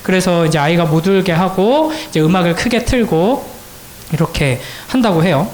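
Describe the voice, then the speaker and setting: A man with a high voice preaches to teenagers in a church hall, and the sound carries an echo. He tells a story in a conversational way, then builds into fervent preaching. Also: lively intonation, normal speed, a little mellow, slight background noise. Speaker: youth pastor. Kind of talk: sermon to high school students.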